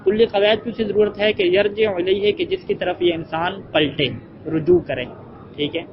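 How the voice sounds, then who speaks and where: A male teacher lecturing a class, explaining an Arabic text line by line, answering his own questions and reading the Arabic slowly. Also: sits high, steady tone, a crowd in the background. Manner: asks rhetorical questions and answers them, reads Arabic phrases slowly. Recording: muffled with heavy background noise.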